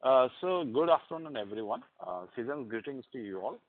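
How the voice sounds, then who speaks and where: A man's voice: mid-range voice, animated, fairly quick, a little hiss or hum. A man with an Indian accent asking questions as an analyst on an earnings call, hesitant and circling in his phrasing. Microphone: headset on phone call. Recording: tinny phone headset line.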